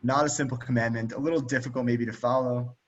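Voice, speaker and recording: A man's voice: medium pitch, fast. Easygoing male teacher on a dull call. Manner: relaxed, with many fillers and restarts. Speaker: teacher leading a text study. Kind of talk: casual group study over a video call. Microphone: video call. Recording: dull, lo-fi video call audio.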